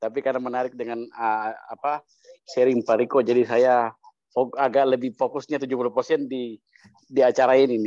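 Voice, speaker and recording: A man speaks in a dark, mellow tone with monotone, flat intonation. His pace is moderate against a quiet background. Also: dry sound with no echo. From Bandung, West Java; West Java. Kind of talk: casual chat. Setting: video call. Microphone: video call.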